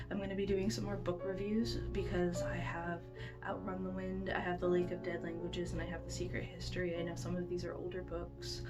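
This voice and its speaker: A young woman in her twenties, stuffed up with a cold, chatting casually about her plans at home, rambling with many ums and restarts. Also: lowish voice. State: congested with a cold. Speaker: classics vlogger. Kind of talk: casual vlog chat. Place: home room with bookshelves. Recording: music playing loudly behind.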